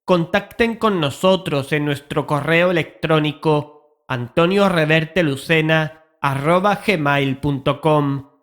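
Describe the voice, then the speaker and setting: Higher-pitched man reading a formal notice. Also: slow pace, a bit bright. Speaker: announcer for an audio drama project. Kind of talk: scripted formal disclaimer reading.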